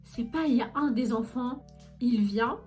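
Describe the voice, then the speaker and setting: A young woman with a fairly high voice tells a story in a casual vlog. She is chatty and animated, talking straight to her viewers. Soft music plays faintly behind her. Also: measured pace. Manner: chatty and animated, addresses viewers directly with many fillers. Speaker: vlogger recounting her job as a shop saleswoman.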